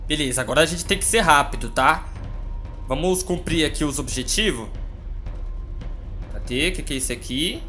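A Brazilian man streams a horror game with a high, bright voice. He comments casually and excitably, sounding scared and urgent in his exclamations. Faint game music plays behind him. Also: normal speed, long pauses.

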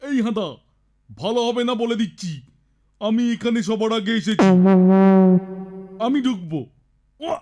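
A man's voice: high-pitched, expressive, a little slow, pauses often. A man voicing a crafty, indignant young boy in a children's comedy cartoon, exclamatory and scolding. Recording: loud music behind the voice. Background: loud music.

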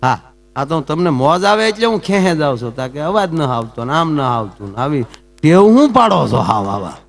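A man's voice: on the high side, big pitch swings, moderate pace. A man performing folk comedy talk on stage, teasing the audience and jumping between jokes and asides.

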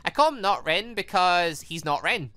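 A video game player reading a bubbly, pushy, childlike young woman in a higher, bouncy voice. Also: expressive, normal speed, fairly bright tone, no room sound, natural voice. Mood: indignant.

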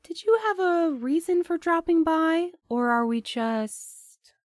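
A woman's voice: very high voice, expressive, slow, no room sound, exaggerated voice. An actress playing a drowsy, teasing, wary young woman who banters dryly in an audio drama. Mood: teasing, irritated. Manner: dry, bantering.

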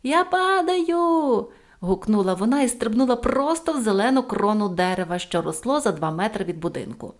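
Female audiobook narrator, expressive, lively storybook reading. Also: mid-range voice, brisk, few pauses. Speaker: audiobook reader.

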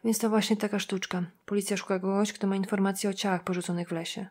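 A woman voicing a guarded female investigator who speaks quietly and matter-of-factly, in an audiobook. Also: mid-range voice, little pitch movement, fast talker, natural voice. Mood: restrained. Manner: quiet, restrained and matter-of-fact.

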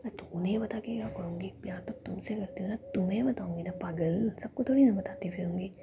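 A woman's voice: mid-range voice, fairly quick, vocal fry, background noise, natural voice. A woman whispering the lines of an affectionate young woman who coaxes her partner. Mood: coaxing. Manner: whispered coaxing.

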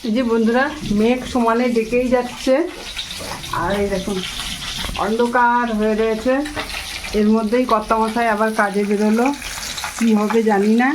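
Chatting to her viewers, this middle-aged home cooking vlogger walks through each step of her dish, often repeating herself. Her voice is on the high side and steady, with a moderate pace and long pauses, captured in a noisy home setting full of ambience.

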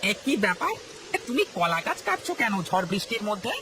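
Sneaky greedy cartoon servant, lively singsong delivery. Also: male voice, fast talker, background noise. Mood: scheming. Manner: wheedling, lively swings of pitch. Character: sly greedy male servant, scheming. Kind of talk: cartoon voice acting.

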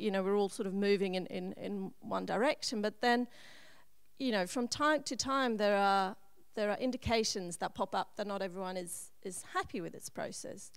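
Woman, smooth clear voice, dry close sound, fluent panel talk, handheld mic. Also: medium pitch, no room sound. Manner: quick, fluent, with frequent "you know". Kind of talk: panel discussion. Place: conference stage. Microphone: handheld microphone.

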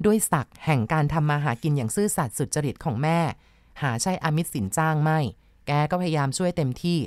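A woman's voice: on the low side, a little mellow, no room sound, clean studio sound. A woman narrating a ghost story in a dramatic, vivid telling.

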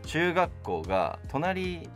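Young man, lively swinging intonation. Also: a little high, extremely slow. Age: young adult. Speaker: radio guest, actor. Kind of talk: casual chat. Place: small radio studio. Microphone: studio boom microphone. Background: background music.

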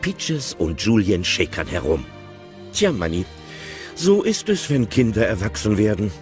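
Man narrating a kids audio play, slow and very sing-songy, music under. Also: fairly low pitch, very animated, a little mellow. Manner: chatty, wondering.

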